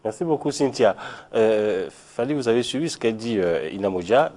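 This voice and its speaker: A man's voice: on the low side, lively intonation, moderate pace, mellow. A man anchoring a TV news program, leading into segments with a rising announcer tone. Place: TV studio.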